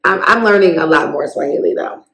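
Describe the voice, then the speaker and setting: A woman's voice: deep voice, brisk, creaky. An American woman interviewing a guest in a chatty, curious way. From United States. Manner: relaxed, curious, chatty questions. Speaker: interviewer and vlogger. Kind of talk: casual interview chat. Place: room in Kenya. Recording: echoey room.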